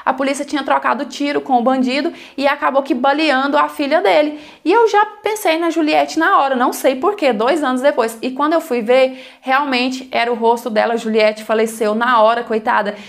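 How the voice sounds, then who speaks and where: High-voiced woman telling a life story. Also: fairly even intonation, a little fast, few pauses. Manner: plain conversational retelling with many fillers. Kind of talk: first-person life story narration.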